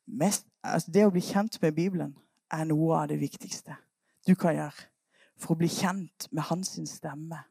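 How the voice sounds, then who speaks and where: A woman preacher retelling a Bible story in a lively sermon, coaxing her listeners to act out the parts. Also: deep voice, creaky, breathy edge, dry recording, studio quality.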